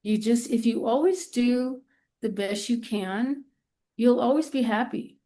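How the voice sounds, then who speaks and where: A woman's voice: on the high side, measured pace, mellow. Informal woman guest chatting in an interview. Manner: informal, loose, trailing phrases with "you know". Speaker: podcast guest, illustrator and art professor. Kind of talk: casual interview chat.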